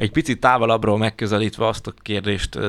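On a very clean recording with a silent background, a man speaks at a fairly quick pace in a fairly low voice with fairly even intonation. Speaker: sports journalist. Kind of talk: casual chat. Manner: halting, many fillers.

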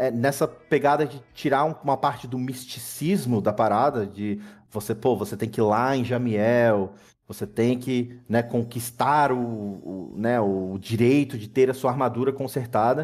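Here a man with a normal speaking voice talks at a fairly slow pace and medium pitch, with ordinary pitch variation. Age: 30s. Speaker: fiction author. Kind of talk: casual chat.

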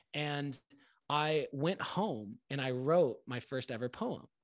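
In a normal speaking voice with an American accent, a man talks with a fairly high pitch and lively intonation against a quiet background. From Arizona, US. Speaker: poet and motivational speaker. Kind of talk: casual interview. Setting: video call.

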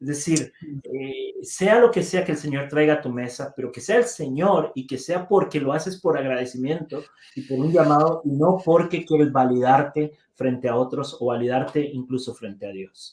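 A man with a normal speaking voice, fairly high in pitch, at a moderate pace, with ordinary pitch variation and big swings in loudness. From Costa Rica. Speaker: missionary. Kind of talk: interview.

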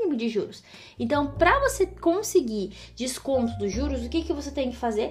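A woman with a Brazilian accent, lively intonation and a moderate pace. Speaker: podcast host, economist and financial educator. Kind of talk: casual chat.

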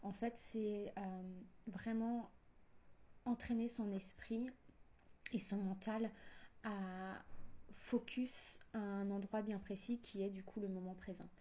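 A woman's somewhat breathy voice at a very slow pace, with monotone, flat intonation and long, frequent pauses. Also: medium pitch for a woman. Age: 20s. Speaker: podcast host. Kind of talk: personal monologue. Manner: hesitant, many fillers.

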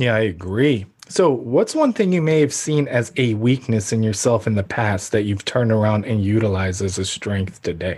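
A normal speaking voice from a man, medium-pitched with lively intonation and hardly any pauses. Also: moderate pace. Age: 30s. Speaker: podcast host. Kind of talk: casual interview.

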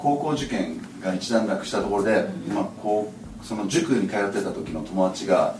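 Audible room echo and noticeable background noise surround a man speaking at a fairly low pitch and a moderate pace with lively intonation. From Tokyo, Japan (ages 2-9 in New York). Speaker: MC and VJ. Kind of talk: interview.

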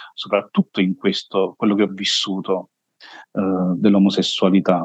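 The man's voice sits at a fairly low pitch. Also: dry, close sound with no echo. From Naples, Italy. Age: 30s. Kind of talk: testimony.

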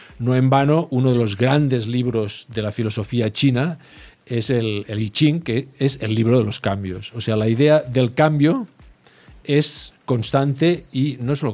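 A man speaks at a fairly slow pace in an ordinary speaking voice, medium in pitch with ordinary pitch variation. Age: 60s. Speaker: author. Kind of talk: interview.

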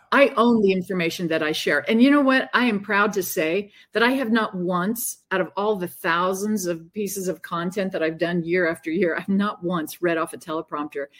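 A plain, everyday voice at a moderate pace, with ordinary pitch variation and hardly any pauses. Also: woman, medium pitch for a woman. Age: 60s. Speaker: energy medicine professional and social media creator. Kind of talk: casual interview chat. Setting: video call.

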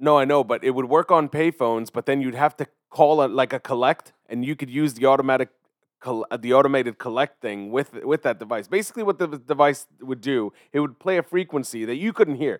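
A man with a normal speaking voice talks at a fairly quick pace with fairly high pitch and ordinary pitch variation, the sound dry and close with no echo. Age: 30s. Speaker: podcast co-host. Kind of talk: casual chat.

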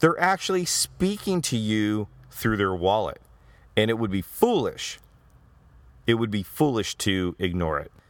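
Pitch swings very widely as the speaker goes at a fairly slow pace with long, frequent pauses. The recording is very clean, the background silent. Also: man, medium pitch for a man. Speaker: podcast host, business consultant. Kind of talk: solo podcast monologue.

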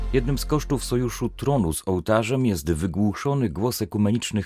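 The recording is very clean, with a silent background. A man with a dark, mellow tone speaks at a moderate pace. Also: dry, close sound with no echo. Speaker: radio news presenter. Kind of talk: news reading. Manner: formal.

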